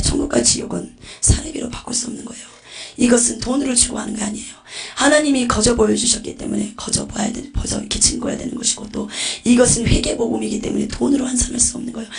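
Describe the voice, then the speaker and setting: A woman's voice: medium pitch, creaky. A woman giving a fervent religious testimony, telling it dramatically and dropping into whispered asides. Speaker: testimony preacher.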